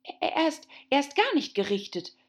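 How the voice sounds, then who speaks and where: A woman's voice: sits high, big pitch swings, moderate pace, voice pushed up. A woman voicing a nervous male white rabbit who stammers and fusses in a storybook reading. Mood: flustered. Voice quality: stammering, flustered.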